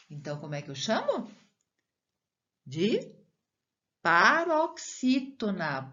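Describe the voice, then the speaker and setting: A woman's voice: deep voice, pushed and bright, lo-fi sound. A Brazilian woman teacher giving a recorded lesson to children, explaining patiently, stretching out syllables and asking the pupil questions as she goes. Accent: Brazilian Portuguese.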